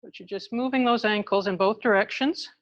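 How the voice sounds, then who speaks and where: A woman leading an exercise class through a face mask, talking calmly step by step as she demonstrates each move. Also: mid-range voice, a little fast, no echo, highs cut off. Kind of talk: live exercise instruction, demonstrating while explaining. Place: indoors in a hospital building.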